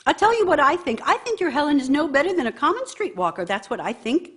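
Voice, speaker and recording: An actress playing a bitter, long-suffering wife in a radio play, nagging and scornful, with a husky voice. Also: female voice, high-pitched, very animated, quick pace, a bit bright. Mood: indignant, scornful. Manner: scornful, reproachful, needling. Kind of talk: radio theater monologue.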